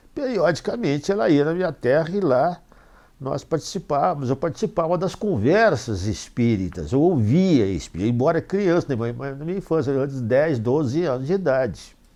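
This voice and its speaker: A man's dark, mellow voice at a fairly high pitch, with very wide pitch swings, a moderate pace and a quiet background. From Brazil, southwestern Minas Gerais. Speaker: spiritist speaker recalling a medium. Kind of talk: testimony talk at an event. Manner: halting, with repetitions.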